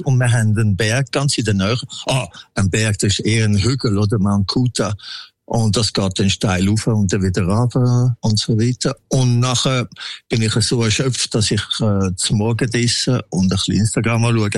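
A man in his seventies with a Swiss German accent, an emigrant telling his life story in a relaxed radio interview and rambling through long lists of places. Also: mid-range voice, dry recording. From Switzerland. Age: 70s.

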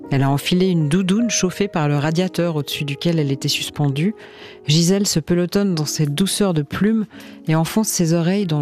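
A woman radio reporter narrating a scripted portrait in a calm, measured storytelling manner. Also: low-pitched.

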